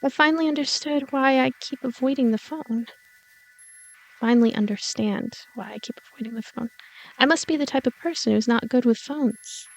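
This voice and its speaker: Higher-pitched woman narrating a story game. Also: normal speed, vocal fry, poor audio. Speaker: let's player reading the game aloud. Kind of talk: voiced narration of a visual novel with character lines. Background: game music.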